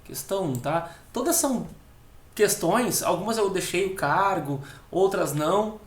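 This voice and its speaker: A man with a southern Brazilian accent teaching an exam-prep lesson, explaining step by step and tagging nearly every phrase with a quick check-in question. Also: sits high, animated. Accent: southern Brazilian (Rio Grande do Sul). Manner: repeats key words slowly for emphasis. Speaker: Portuguese teacher for civil service exams. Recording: echoey room.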